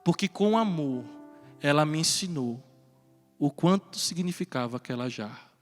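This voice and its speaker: Man, priest, homily storytelling, high voice, long church reverb, faint music. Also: expressive, moderate pace. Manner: personal storytelling, earnest, with chuckles. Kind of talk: homily at Mass.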